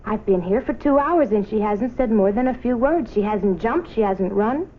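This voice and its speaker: A woman's voice: on the high side, lively intonation, moderate pace, natural voice. A caring storybook grandmother, voiced by a woman, full of concern. She speaks in a kindly, questioning way. The recording is a muffled old film soundtrack with faint noise. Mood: worried.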